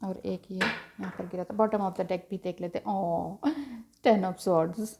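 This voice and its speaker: A woman giving a gentle, reassuring tarot reading and mixing in English phrases. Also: a little high. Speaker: tarot reader.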